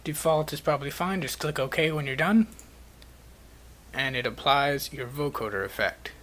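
A man with a slightly higher-pitched voice narrates a software tutorial. He presents it as a step-by-step instructional screencast. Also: normal speed, loud music behind the voice.

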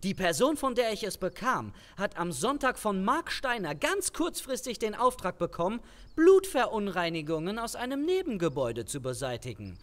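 Excitable amateur sleuth for crime audio drama, highish voice, lively intonation. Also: male voice. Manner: animated, explanatory. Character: eager, roundabout male amateur investigator. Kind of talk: German crime radio drama acting.

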